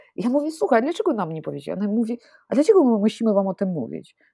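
Very wide pitch swings mark a woman's dark, mellow, fairly high voice at a very fast pace. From Nagorno-Karabakh, raised in Kharkiv, Ukraine. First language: Ukrainian or Russian (speaking Polish). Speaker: theatre director. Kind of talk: casual interview chat. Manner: halting, code-switching between Polish and Ukrainian.

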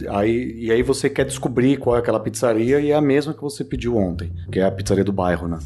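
A man's medium-pitched voice with lively intonation, a fairly quick pace and hardly any pauses, music in the background. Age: 30s. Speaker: podcast panelist. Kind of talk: casual chat.

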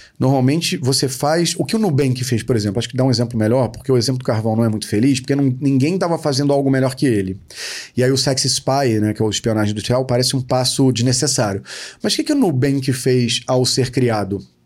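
A man with a medium pitch speaks very fast at very even loudness and ordinary pitch variation, with noticeable background noise behind him. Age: 40s. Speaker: entrepreneur and marketing methodology creator. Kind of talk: podcast interview.

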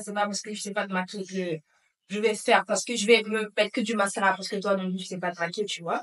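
A woman talks at a fairly quick pace with a fairly high pitch. It is a normal speaking voice. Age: 20s. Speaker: podcast guest, host's best friend. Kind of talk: casual chat. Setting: pyjama party chat.

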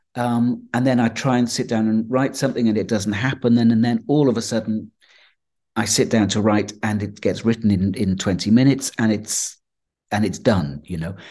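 Dark and mellow in tone, a man's voice sits at medium pitch with ordinary pitch variation and a moderate pace. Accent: Welsh. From Wales. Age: 60s. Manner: calm, soothing.

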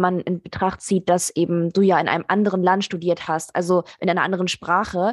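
A woman at medium pitch and moderate pace, with a dry, close sound with no echo and a quiet background. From Germany. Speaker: podcast host. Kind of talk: interview.

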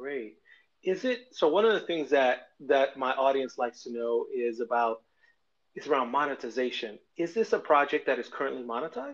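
Here is a man with an American accent and an ordinary speaking voice. His pitch is fairly high for a man, and his pace is moderate. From Brooklyn, New York; Haitian parents. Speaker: podcast host. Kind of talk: interview.

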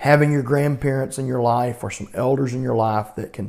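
A man's medium-pitched, dark, mellow, somewhat breathy voice at a moderate pace with ordinary pitch variation, in a very clean recording with a silent background. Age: 50s. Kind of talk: solo podcast monologue. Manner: halting, frequent fillers and repeats.

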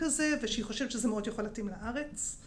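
A woman with a high pitch and lively intonation speaks at a fairly quick pace, with audible room echo and noticeable background noise. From South Africa. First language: English (speaking Hebrew). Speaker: company CEO. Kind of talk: interview.

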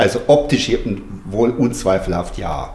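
The speaker is a man whose pitch sits fairly low. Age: 60s. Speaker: podcast host and business executive. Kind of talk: interview. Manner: halting, with fillers.

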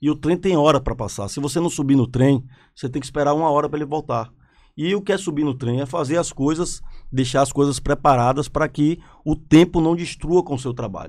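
Fairly quick and fairly high-pitched, a man with a plain, everyday voice speaks with ordinary pitch variation on a very clean recording with a silent background. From Bahia, Ilhéus. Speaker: entertainment entrepreneur and radio communicator. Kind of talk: casual interview chat.

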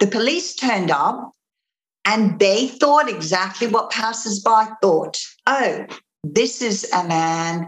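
This woman has an Australian accent and a fairly high pitch, and she talks at a very slow pace. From Australia, born in Liverpool. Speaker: cult survivor. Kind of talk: testimony. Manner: halting.

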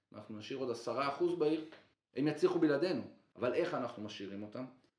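Audible room echo surrounds a man whose tone is dark and mellow. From Israel, Haifa. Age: 30s. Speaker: lawyer and former deputy mayor. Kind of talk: interview.

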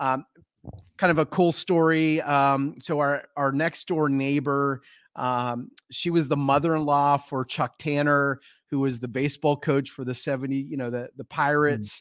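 A man with an American accent and an unremarkable speaking voice talks at a fairly high pitch and a moderate pace with fairly even intonation, on a very clean recording with a silent background and a dry, close sound with no echo. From Western Pennsylvania. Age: 50s. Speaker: nonprofit CEO. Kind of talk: casual interview.

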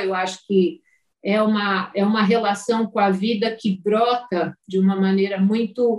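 Monotone, flat intonation runs through this woman's speech. She keeps a fairly slow pace. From Brazil, São Paulo. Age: 50s. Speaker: physician. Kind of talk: interview.

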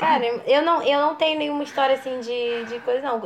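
A woman speaks in an animated tone. She keeps a fairly quick pace. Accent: Brazilian. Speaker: podcast co-host. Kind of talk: casual chat. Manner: animated, laughing often.

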